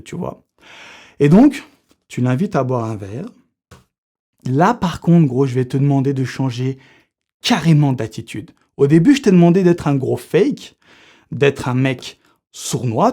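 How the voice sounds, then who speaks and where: A man's voice: mid-range voice, mellow. A man giving comic seduction advice straight to the viewer, slangy and mock-serious, talking in one unbroken take. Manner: slangy, addresses viewer as buddy; unscripted one-take delivery, checks notes live. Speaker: comedic seduction-advice youtuber. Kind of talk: mock-serious coaching monologue.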